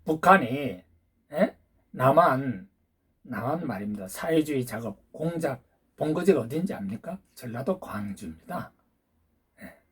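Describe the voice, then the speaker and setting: A man's voice: medium pitch, animated, a little slow, long pauses, slightly rough. A man delivering a ranting political monologue, lecturing his listeners and firing off challenging rhetorical questions. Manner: lecturing, hectoring tone toward listeners. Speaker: YouTube channel host.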